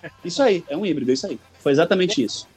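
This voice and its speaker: A man with a Rio de Janeiro Brazilian accent, telling stories emphatically in a casual podcast chat, repeating phrases for effect, his voice slightly husky. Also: a little high, expressive, rapid-fire, crowd noise. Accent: Rio de Janeiro Brazilian Portuguese. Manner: emphatic storyteller, repeats phrases and quotes others. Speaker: podcast guest, fan dubbing director and audio mixer.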